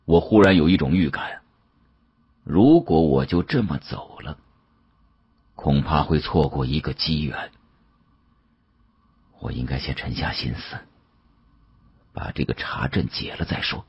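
A man narrating an audiobook in the first person, dramatic, expressive and musing. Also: rumbling low, measured pace, long pauses, husky, dry recording, dull audio.

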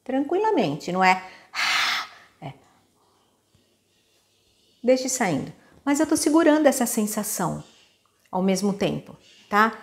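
A woman's voice: medium pitch, very animated, measured pace, pauses often. A Brazilian woman singing teacher giving a patient, step-by-step lesson on breathing, often checking in with her students. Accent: Brazilian Portuguese. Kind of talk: vocal lesson with demonstrations.

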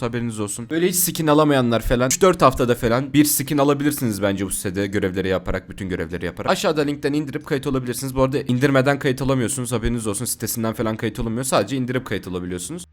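Young man, gameplay streamer, fast talker, swears, mock-angry bursts. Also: medium pitch. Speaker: gaming streamer. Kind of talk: casual gameplay commentary.

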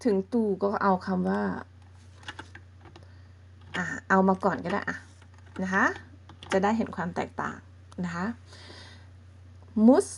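A woman with a creaky, husky mid-range voice guides beginners through a language lesson. She explains each step slowly and with patience, often checking on her listeners with softening particles.

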